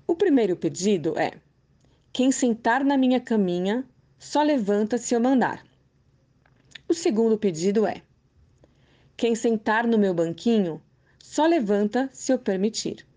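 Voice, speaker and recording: A woman voicing a crafty, cheerful old man who talks calmly and teasingly in a storybook tale. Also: fairly high pitch, unhurried, pauses often. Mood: sly, teasing. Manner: sly, calm, teasing.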